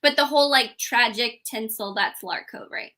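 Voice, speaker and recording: A woman's voice: on the high side, moderate pace, pushed and bright. A woman chatting casually about books as a fellow panelist on a readalong.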